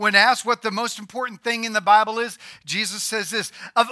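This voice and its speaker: In a very clean recording with a silent background, a man raises and projects his voice, extremely high in pitch and bright, sharp in tone. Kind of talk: sermon. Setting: church. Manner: earnest, teaching-style preacher, emphatic with repeated phrases; conversational and interactive, invites the congregation to shout answers.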